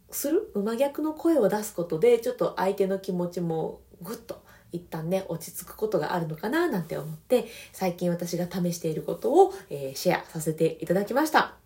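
A woman with a Kansai accent giving casual, gentle advice as a podcast host, laughing lightly between points. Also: medium pitch. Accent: Kansai Japanese.

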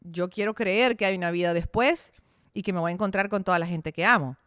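A woman's voice: lowish voice, brisk, fairly bright tone, dry recording. Chatty woman in her thirties, dry close sound. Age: 30s. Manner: candid and chatty, acting out her own quoted thoughts. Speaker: podcast host. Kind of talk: casual personal monologue.

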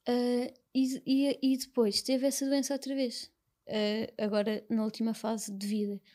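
A young woman with a European Portuguese accent, speaking as an interview guest in a soft, halting, reflective way. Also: a little high, completely flat delivery. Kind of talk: personal conversation.

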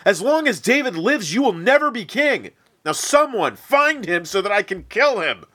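A man voicing a furious old king who shouts with rage. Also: high-pitched, big pitch swings, moderate pace, voice pushed up, full character voice. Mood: enraged. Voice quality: shouting, strained.

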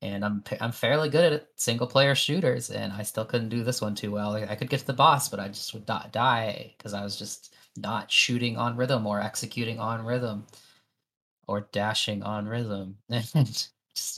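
A man co-hosting a podcast, chatting casually about game demos, joking at his own expense in quick bursts. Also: lowish voice, fairly bright tone. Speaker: podcast co-host.

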